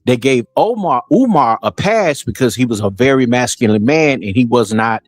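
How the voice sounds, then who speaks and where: A man talking in a relaxed, conversational way during a casual group chat on a stream, sometimes dropping words. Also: medium pitch, normal speed, no echo, clean studio sound.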